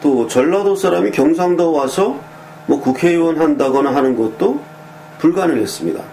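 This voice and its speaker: A man's voice: a little high, expressive, moderate pace, gravelly, warm tone, a little hiss or hum, poor audio. A man giving casual political commentary in a conversational way, with many fillers and small affirming asides, and voicing pointed, critical opinions.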